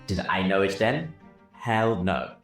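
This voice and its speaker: A man's voice: deep voice, slow pace. A man from Zimbabwe, a business and leadership coach, telling his own life story in an earnest, reflective way. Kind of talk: personal story told over music. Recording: roomy, somewhat distant mic with soft music. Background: soft violin music.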